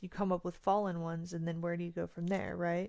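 Against a quiet background, a woman speaks in a fairly low voice. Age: 30s. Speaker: podcast host. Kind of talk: solo educational monologue. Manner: hesitant, many fillers.

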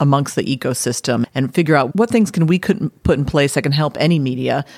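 With an American accent, a woman talks at a very fast pace, recorded very cleanly against a silent background with a dry, close sound and no echo. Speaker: newspaper executive, journalist. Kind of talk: interview.

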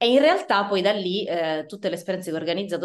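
A woman talks with ordinary pitch variation. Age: 40s. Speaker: entrepreneur, former lawyer. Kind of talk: interview. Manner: halting, with fillers and repetitions.

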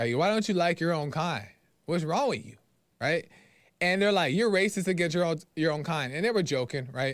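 A man with an American accent speaks in a high pitch. His intonation is lively and his pace moderate. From US West Coast, Inland Empire. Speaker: podcast host. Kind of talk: live call-in show. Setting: livestream studio.

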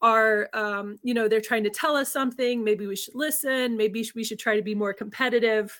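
A plain, everyday voice from a woman with an American accent, fairly high pitch and fairly even intonation, on a very clean recording with a silent background. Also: fairly quick pace. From US South. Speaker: podcast host. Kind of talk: interview.

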